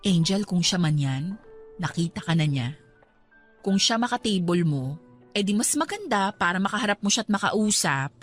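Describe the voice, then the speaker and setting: An actress playing a breezy, matter-of-fact young hostess friend in a radio drama. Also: female voice, lowish voice, very animated, moderate pace, soft background music. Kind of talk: Tagalog radio drama acting.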